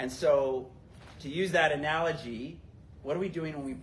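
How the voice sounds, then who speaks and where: A loud man at a moderate pace, with audible room echo and noticeable background noise. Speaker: conference presenter. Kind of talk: workshop presentation. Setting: small breakout room, no microphone. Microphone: no microphone.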